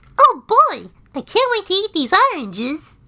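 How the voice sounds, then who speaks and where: Putting on a character voice, a woman goes extremely high in pitch with very wide pitch swings. She keeps a moderate pace. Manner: cute, eager.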